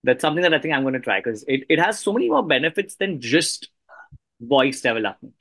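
A man's voice: mid-range voice, very animated, fast talker, fairly bright tone, no echo, clean studio sound. A man hosting a casual interview, talking in an agreeable, explanatory way. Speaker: podcast host, interviewer.

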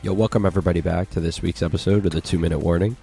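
A man's voice: low voice, steady tone, very fast, vocal fry, dark tone, faint music behind. A man hosting a casual sports chat, sounding stuffy as he gets over a sickness. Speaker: podcast host.

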